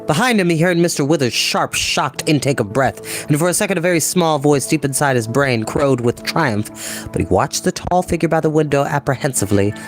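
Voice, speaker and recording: A man reading a children's novel aloud as narrator, in an expressive storytelling style. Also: on the high side, a little fast, faint music behind.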